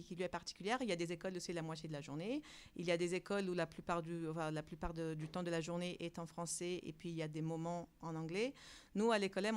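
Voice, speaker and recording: A woman who directs a bilingual preschool answers interview questions, pausing often with fillers and restarts. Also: fairly low pitch, clean tone. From outside Europe. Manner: hesitant, many fillers and restarts.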